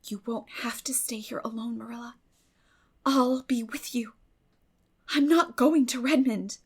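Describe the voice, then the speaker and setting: An earnest, tender teenage girl, acted by a woman reading a classic novel, pitched up high. She speaks with emotional, pleading emphasis and a resolute streak, in dramatic audiobook style. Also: unhurried, darkish tone, breathy edge.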